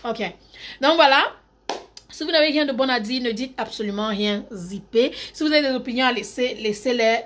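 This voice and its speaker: A woman who runs a skincare brand talks casually to the camera, emphatically repeating her key points and mixing in English words. Her pitch is fairly high.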